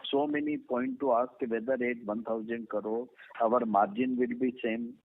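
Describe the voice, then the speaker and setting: A man's voice: medium pitch, animated, moderate pace, gravelly, slight background noise. An Indian-accented man, an investor caller questioning management on an earnings call in an emphatic, pointed way. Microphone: phone line. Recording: tinny, narrow phone line.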